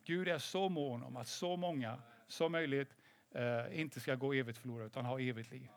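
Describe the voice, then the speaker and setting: A man preaching a sermon in a conversational way, often asking "eller hur?" and slipping in English phrases. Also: mid-range voice.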